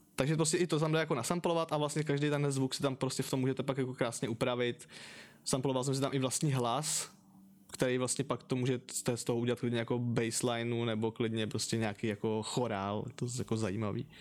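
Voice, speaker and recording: On a very clean recording with a silent background, a man with a normal speaking voice talks at a fairly quick pace, in a medium pitch and with fairly even intonation. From Czech Republic, Prague. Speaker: music producer and DJ. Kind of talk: casual interview.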